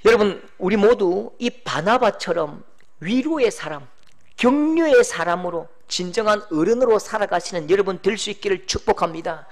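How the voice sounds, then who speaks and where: A middle-aged pastor preaching a sermon, animated, acting out quoted voices and shouting for emphasis. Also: male voice, high voice, normal speed.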